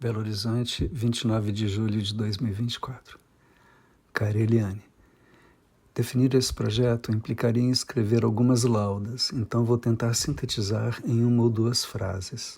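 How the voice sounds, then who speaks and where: Here a man of medium pitch has a dark, mellow tone that is somewhat breathy, in a monotone, flat intonation. He keeps a moderate pace in a very clean recording with a silent background. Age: 60s. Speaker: photographer and university professor. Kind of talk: reading aloud.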